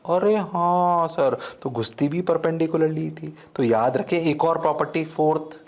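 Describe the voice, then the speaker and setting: A man's voice: on the high side, measured pace, a little mellow, echoey room. A man teaching physics with an Indian accent, theatrical, answering his own questions in the voice of a student. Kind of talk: classroom lecture. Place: classroom.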